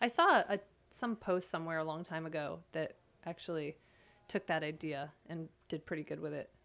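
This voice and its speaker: A woman talks in a normal speaking voice at a moderate pace. Her pitch is fairly low, with ordinary pitch variation. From Maine, US. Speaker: comedic musician. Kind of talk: casual chat.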